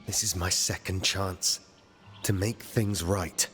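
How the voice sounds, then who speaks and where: Low-voiced, earnest warrior hero. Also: male voice, steady tone, slow, fairly bright tone, soft background music. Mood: earnest, resolute. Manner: restrained, terse. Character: earnest, determined young male warrior hero. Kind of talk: video game character acting.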